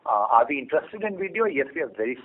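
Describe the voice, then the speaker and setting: Man, Indian accent, husky voice, narrow phone-band audio, corporate explaining, rhetorical questions. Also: mid-range voice, big pitch swings, quick pace. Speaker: company executive on an earnings call. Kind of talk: explanatory business answers to analysts. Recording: phone-like conference call audio.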